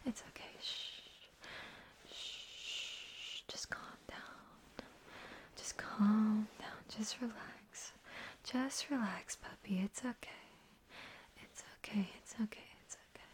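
A young woman performing a whispered audio roleplay, voicing an anxious, apologetic young woman who soothes a crying partner in hushed, repetitive murmurs. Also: on the high side, normal speed, lightly acted. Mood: hushed, soothing.

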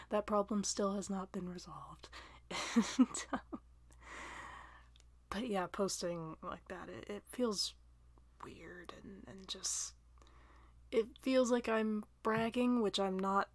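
A young woman talks slowly and unhurriedly into a dry, close recording with no room sound. She rambles through listener questions, laughing often and turning self-deprecating, and her voice sometimes sinks into a soft, near-whispered aside. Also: medium pitch, no echo.

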